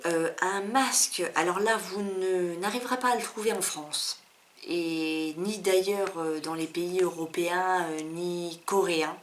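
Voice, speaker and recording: A woman's voice: lowish voice, slight background noise. A woman vlogger chatting casually through a review of finished beauty products, candid and full of asides and fillers.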